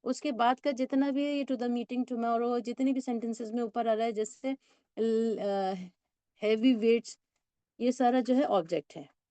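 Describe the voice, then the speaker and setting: A woman teacher takes learners through English sentences. She explains with patience and reads each sentence out slowly, word by word. Her voice is warm and mellow, recorded close and dry. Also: on the high side, fairly even intonation, dry recording. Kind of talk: spoken English lesson.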